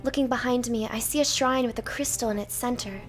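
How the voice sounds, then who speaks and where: Woman, gaming channel host, fairly high voice, story narration, light background music. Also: fairly quick. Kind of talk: let's play introduction and story narration.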